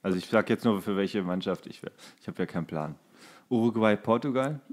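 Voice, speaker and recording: Man with a lowish voice. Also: brisk. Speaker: podcast co-host. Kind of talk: casual football chat.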